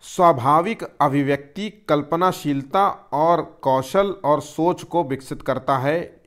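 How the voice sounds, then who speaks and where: Male teacher with a somewhat high voice, running a patient exam-prep lecture that asks and answers its own questions. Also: a little slow, fairly bright tone.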